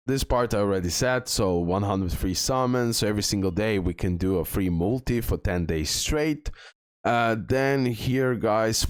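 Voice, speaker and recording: A man with a very deep voice comments on a game update for his channel. He sounds eager and chatty and often stops to restart a phrase. The recording is dry, with no room sound. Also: no room sound. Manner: enthusiastic, chatty, many fillers and restarts. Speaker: gaming channel host. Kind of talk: game news commentary over footage.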